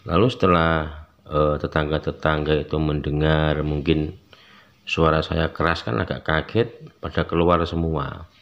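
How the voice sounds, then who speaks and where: A man's voice: very deep voice, a little slow. A man tells a true ghost story casually in the first person and acts out the quoted voices. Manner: chatty, acts out quoted voices with rising excitement. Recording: slightly dull lo-fi sound, faint background noise.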